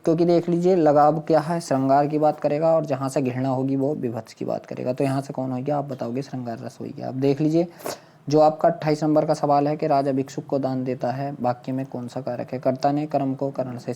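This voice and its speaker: A coaching teacher with a soft, dark-toned, mellow voice takes students through exam questions. The delivery is instructional and repetitive, posing each question to the viewers and then explaining the answer. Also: medium pitch, fairly even intonation, a little fast, a little hiss or hum.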